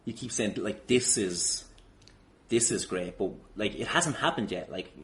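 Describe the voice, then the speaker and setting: A man's voice: fairly low pitch, expressive, a little slow, fairly bright tone, a little hiss or hum. A man hosting a casual chat interview, speaking informally and a little hesitantly. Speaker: podcast host.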